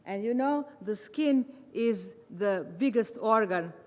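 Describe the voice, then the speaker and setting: A woman, a retired English teacher giving a measured, formal prepared speech as a volunteer. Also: medium pitch, animated. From Serbia. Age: 70s. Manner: measured, formal delivery with careful phrasing. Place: large meeting hall. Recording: long hall reverb.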